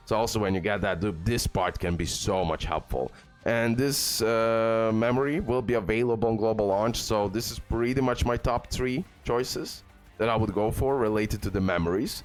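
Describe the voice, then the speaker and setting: Excitable gaming YouTuber, lowish voice. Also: male voice, normal speed. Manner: enthusiastic, repeats "guys" and "okay", filler-heavy. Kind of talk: casual game guide commentary. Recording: faint background music.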